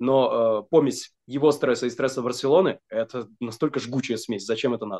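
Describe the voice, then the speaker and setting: A man's medium-pitched voice with a dark, mellow tone and fairly even intonation, fairly quick with hardly any pauses, in a dry, close sound with no echo. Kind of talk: casual chat. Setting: remote call from home.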